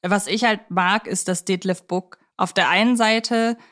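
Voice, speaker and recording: A woman's voice: medium pitch, steady tone, normal speed, fairly bright tone. A woman co-hosting a podcast, discussing films in a casual, colloquial way with a fan's enthusiasm. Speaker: podcast co-host.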